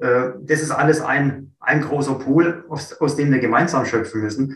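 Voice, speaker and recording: Somewhat breathy, a man speaks at a moderate pace and medium pitch with fairly even intonation. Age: 50s. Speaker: biologist and head of a green-building trade association. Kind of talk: expert interview. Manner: hesitant, frequent filler sounds.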